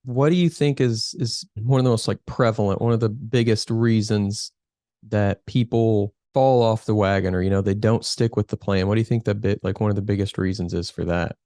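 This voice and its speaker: A man's voice: fairly low pitch, fairly even intonation, moderate pace, warm tone, dry recording, clean studio sound. A man hosting a casual interview podcast, rambling a little as he rephrases his questions.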